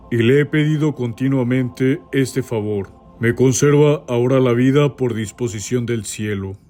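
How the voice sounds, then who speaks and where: A man with a Costa Rican accent reads a saint's life aloud in a steady, measured devotional manner. His voice is mellow and sits at a middle pitch. Soft music plays faintly behind him. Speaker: reader.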